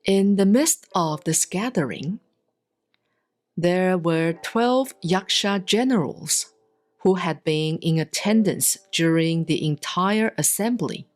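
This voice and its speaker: A woman with a lowish voice reads a Buddhist sutra aloud in a solemn, scripted style, enunciating in a measured, deliberate way with long pauses. Instrumental music plays in the background.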